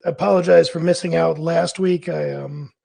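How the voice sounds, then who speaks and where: Scratchy, hoarse man musing aloud. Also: on the high side, fairly even intonation, moderate pace, a little mellow. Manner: rambling, thinking aloud with frequent self-corrections. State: hoarse, recovering from laryngitis. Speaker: freelance business advice host. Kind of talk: casual advice monologue.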